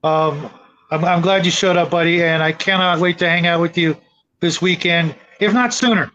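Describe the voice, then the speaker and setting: A man's voice: on the high side, normal speed, pushed and bright, dull audio, slight background noise. A middle-aged man hosting a casual livestream chat. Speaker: show host.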